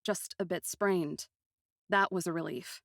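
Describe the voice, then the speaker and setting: A woman narrating a first-person fantasy story in an expressive, literary manner with deliberate phrasing. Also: fairly low pitch, creaky, no echo, studio quality.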